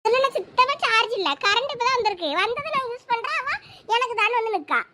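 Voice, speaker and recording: A woman voicing a sharp-tongued, short-tempered young college girl in an animated comedy. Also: very high voice, noisy background. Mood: scolding. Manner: scolding, irritated, fast and threatening.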